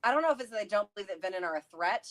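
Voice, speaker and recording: A woman chatting casually and excitably, theorizing and thinking aloud as co-host of a livestream. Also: mid-range voice, racing. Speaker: co-host of a book read-along livestream. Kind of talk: casual chat, theorizing about a fantasy novel.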